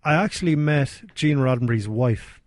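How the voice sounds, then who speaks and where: An Irish man as a podcast guest, making deadpan jokes in a casual comedy chat. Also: mid-range voice, normal speed, dry recording.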